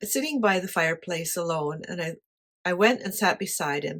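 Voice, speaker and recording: A soft-spoken woman talks at a medium pitch. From Canada. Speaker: artist and vlogger. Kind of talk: casual vlog talk. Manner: conversational with fillers.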